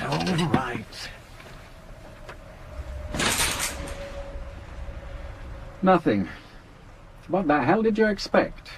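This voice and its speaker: An actor playing an exasperated, dismissive husband in a radio horror play, irritable and sardonic. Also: male voice, mid-range voice, creaky, full character voice. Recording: noisy 1980s radio drama recording.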